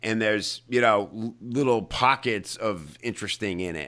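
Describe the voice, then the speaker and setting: The voice has a bright, sharp tone, ordinary pitch variation, and a fairly slow pace. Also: man, very clean recording, silent background. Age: 40s. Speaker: podcast host. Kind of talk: interview. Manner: animated.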